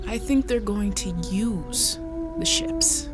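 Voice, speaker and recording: A woman's voice: a little high, expressive, slow pace. A woman acting in an audio drama as an earnest, persuasive, weary negotiator on a future colony planet. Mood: hushed, worried. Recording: music under the voice.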